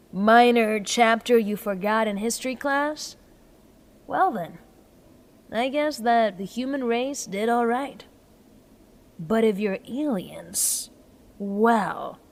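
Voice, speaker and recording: A woman's voice: medium pitch, close to an everyday voice. A woman playing a scrappy, upbeat engineer in a sci-fi audio drama, with a wry, rambling way of talking.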